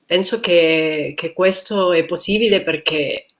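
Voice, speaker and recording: Argentine woman w spanish accent, native spanish, pretty slow n halting, bit low voice, answering on a panel. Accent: Argentine Spanish accent in Italian. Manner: halting, searching for words in imperfect Italian. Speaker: guest musician at a panel on choral singing.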